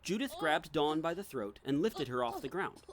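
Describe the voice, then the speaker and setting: A man's voice: a little high, sing-song, moderate pace. A man reading scripted dramatic narration as the narrator of a story. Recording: clear background noise, clicks.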